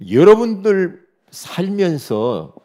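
A man preaching a sermon, retelling a story with animated delivery and acting out the characters' dialogue. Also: sits high, takes it slowly. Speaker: pastor.

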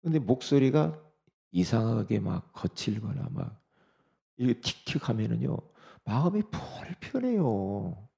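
A middle-aged male pastor preaching a sermon, swinging between soft asides and loud exhortation. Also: mid-range voice, very animated, measured pace, creaky.

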